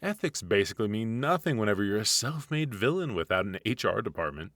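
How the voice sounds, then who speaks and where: A man's voice: on the low side, big pitch swings, fairly quick, a bit bright, no room sound, clean studio sound. A man playing a retired supervillain husband in a comedic ASMR roleplay, teasing and doting with a theatrical, conversational delivery. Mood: wry, teasing.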